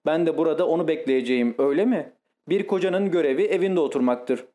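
Man reading a capricious young wife, exclaiming, self-pitying, slightly high voice, audiobook. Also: quick pace, warm tone, natural voice. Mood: petulant.

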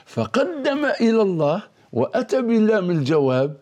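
A male scholar gives a lesson in dialogue, quizzing his partner and reciting verses. His voice swings widely in pitch and has a dark, husky tone. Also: sing-song, moderate pace. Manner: teacherly, quizzes his co-host and quotes verses. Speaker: scholar of Quranic language. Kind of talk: explanatory religious lesson in dialogue.

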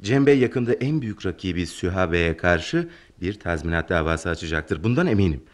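A man's voice: sits low, big pitch swings, a little fast. A man acting a controlling, ambitious lawyer fiancé, self-assured and emphatic, in old-style radio theatre. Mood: insistent.

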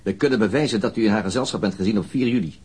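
In a radio crime drama, a male actor plays a persistent, controlled police interrogator, formal and probing. His lowish voice is husky and a little mellow, delivered rapid-fire with a stern, accusing mood.

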